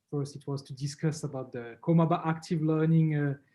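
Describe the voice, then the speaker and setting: A man's fairly high voice in a French accent, dark and mellow in tone, with monotone, flat intonation. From France. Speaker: university lecturer. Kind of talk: lecture. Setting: video call.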